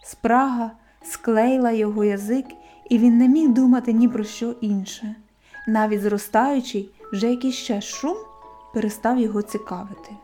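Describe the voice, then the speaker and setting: A woman narrates a children's story in a gentle, even way. Her voice is a little high but mellow and warm. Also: moderate pace, faint music behind.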